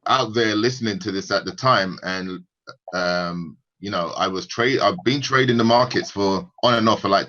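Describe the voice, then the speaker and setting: A man's voice: lowish voice, lo-fi sound. A man with a British accent, a guest telling his story casually on a video call, often restarting his sentences. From United Kingdom. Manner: relaxed, conversational with frequent restarts.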